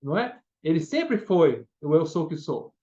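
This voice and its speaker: A man's voice: a little high, big pitch swings, normal speed, mellow, dull audio. A man with a Brazilian Portuguese accent preaching a Bible study sermon, explaining step by step and often asking "né?". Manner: explanatory, repeats words and asks "né?".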